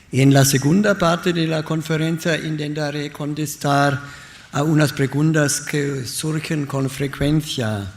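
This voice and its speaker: A German man speaking Spanish as a second language, reading a prepared lecture at a conference with careful, halting delivery. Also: medium pitch, a little mellow. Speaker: guest speaker. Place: conference hall.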